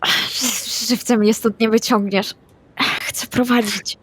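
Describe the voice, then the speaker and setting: A woman playing an impulsive, stubborn and childishly eager female vampire in a tabletop game, insistent and excitable. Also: fairly high pitch, slow pace, slightly rough, full character voice.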